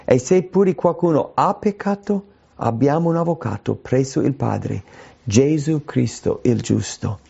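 A man preaching a sermon in an earnest, emphatic way, slowing down to stress key phrases. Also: medium pitch, expressive, vocal fry, mellow, slightly rough. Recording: dull lo-fi sound.

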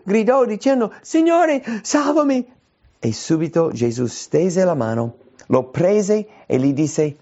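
A man preaching a sermon, his voice leaping high when he acts out quoted cries. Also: creaky, warm tone, breathy edge. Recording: dull lo-fi recording.

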